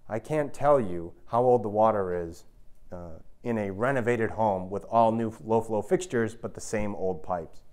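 Low-voiced American man giving a lecture. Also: unhurried, darkish tone, smooth. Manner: emphatic, explanatory, often checks in with "okay". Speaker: university researcher giving a public talk. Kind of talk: lecture to an audience. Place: indoor lecture room with an audience.

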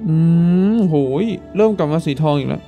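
Man, high voice, mellow tone, jumpy game commentary, faint music behind. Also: expressive, fairly quick, vocal fry, muffled recording. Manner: jumpy exclamations, thinks aloud while playing. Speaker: gaming YouTuber.

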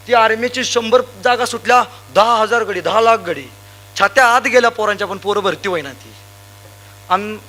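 A young man from Sangli district, Maharashtra, giving a loud, emphatic motivational stage speech full of anecdotes. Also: high voice. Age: young adult. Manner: loud, emphatic, rousing, addresses crowd directly. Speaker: motivational speaker.

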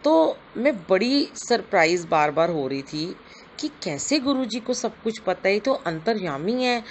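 A woman's voice: medium pitch, very animated, measured pace, slight background noise. Earnest middle-aged woman telling devotional story. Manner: earnest, conversational, addresses listeners as sangat ji. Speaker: satsang speaker.

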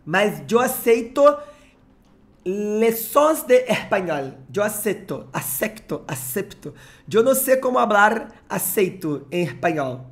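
A man's voice: high-pitched, very animated, slow pace. Young male streamer, loose and joking, commentating a card game live from a home desk mic. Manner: chatty, joking, slangy asides.

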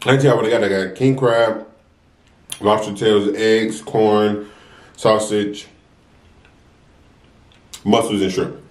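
A man's voice: lowish voice, fairly even intonation, slow pace, pauses often. A young American man chatting casually and slangily to his viewers as an eating-show vlogger, between mouthfuls. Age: young adult. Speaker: mukbang vlogger. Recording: roomy echo, distant mic.

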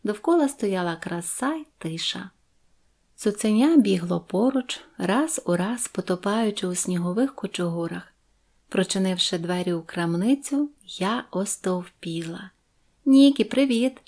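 A woman narrating a Christmas fairy tale in the first person, gentle and expressive. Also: mid-range voice, a little slow. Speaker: audiobook narrator. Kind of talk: storytelling narration.

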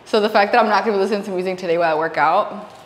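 A woman's voice: medium pitch, rapid-fire, reverberant, slight background noise. A young woman in her twenties vlogging casually from her home gym on a lapel mic, chatty and giggly, slipping in Spanish phrases. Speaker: fitness vlogger. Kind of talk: casual vlog chat to camera. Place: small home gym, indoors.

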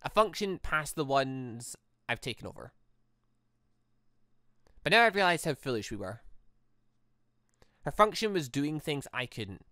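Visual novel android girl, read by a let's player: devoted, earnest, slightly halting, bright and dry. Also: mid-range voice, very animated, dry recording, full character voice. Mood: reflective. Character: earnest young female android, devoted and determined.

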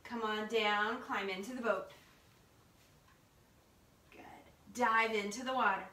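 Speaking slowly in a steady, fairly high voice that comes across pushed and bright, a woman guides a yoga class with encouraging, playful instructions given one step at a time. It was captured at home in her living room by a camera on the far side, with a roomy sound.

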